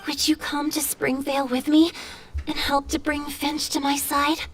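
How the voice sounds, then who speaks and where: A woman voicing a gentle, wistful female water spirit who speaks softly and earnestly in video game dialogue. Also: high-pitched, flat delivery, normal speed, lightly acted. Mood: resolved. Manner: soft, earnest, confiding.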